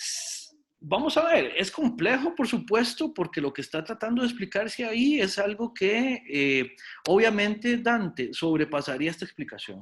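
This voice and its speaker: In a very clean recording with a silent background, a man speaks at a fairly slow pace with very wide pitch swings. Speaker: philosophy lecturer. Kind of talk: lecture. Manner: halting, many repeated words and fillers.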